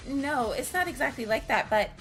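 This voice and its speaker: A woman reading game dialogue aloud, voicing bantering, earnest anime visual-novel students in a theatrical, expressive way. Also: high-pitched, moderate pace.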